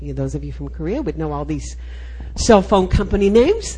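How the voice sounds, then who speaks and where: A speaker with an American accent talks at a fairly quick pace over noticeable background noise. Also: woman. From Texas. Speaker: church speaker giving testimony. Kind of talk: testimony.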